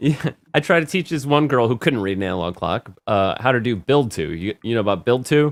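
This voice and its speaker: At a fairly quick pace, a man uses a normal speaking voice in a dry, close recording with no echo that is very clean over a silent background. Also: medium pitch for a man, lively intonation. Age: 30s. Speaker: live stream co-host reading chat. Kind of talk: casual chat.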